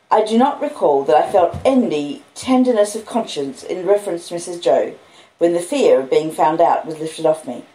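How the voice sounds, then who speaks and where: Low-voiced Australian woman in her fifties, noisy recording. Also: warm tone. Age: 50s. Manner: chatty, breaks off to talk to pet dogs. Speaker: host reading a classic novel aloud to listeners. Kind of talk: casual homely chat and audiobook-style reading. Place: at home indoors with dogs.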